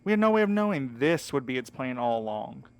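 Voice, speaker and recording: A smooth, clear male voice of middle pitch from an actor plays a protective, exasperated friend in an audio drama. He is earnest and direct, with some light sarcasm. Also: big pitch swings, a little fast, natural voice. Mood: reassuring. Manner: direct, plain-spoken, mildly sarcastic.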